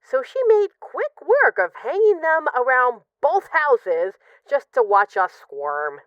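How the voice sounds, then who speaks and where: A woman's voice: sits high, big pitch swings, a bit bright, clear, resonant tone, dry recording, muffled recording, heavily acted. A woman playing a possessive, lovesick mafia boss in an intimate, conversational audio roleplay of voicemails. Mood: wry, exasperated. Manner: conversational, teasing, halting when emotional.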